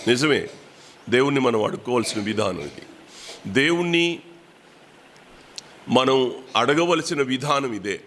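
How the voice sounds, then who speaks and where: A man preaching a Bible sermon in a prayer hall, repeating his phrases and pausing on drawn-out fillers. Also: medium pitch, lively intonation, a bit bright, slight background noise.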